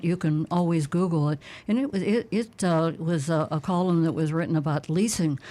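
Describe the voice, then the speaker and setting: A woman from Pittsburgh co-hosting a radio talk show, chatty and quick to laugh. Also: fairly low pitch, mellow. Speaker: co-host.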